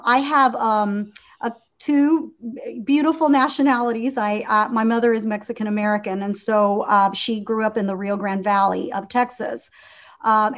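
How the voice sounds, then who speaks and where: A woman in her fifties from Venezuela, a guest in an interview, talking earnestly with many fillers and restarts. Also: fairly high pitch. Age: 50s. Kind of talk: conversational interview.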